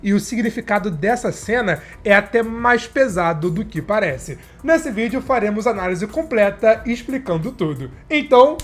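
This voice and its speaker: Brazilian man, sick and stuffy, husky voice, chatty series review host. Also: sits high, animated, moderate pace, hardly any pauses, faint music behind. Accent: Brazilian Portuguese. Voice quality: nasal, stuffy. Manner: chatty, enthusiastic, addresses viewers as "cara". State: sick, congested nose and sore throat. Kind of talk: casual video commentary.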